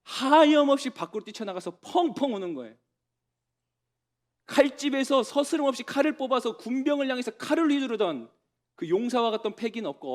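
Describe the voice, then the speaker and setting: A man preaching a sermon as pastor to young adults, telling the story with dramatic pauses and dropping to a soft voice for tender words. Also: high-pitched.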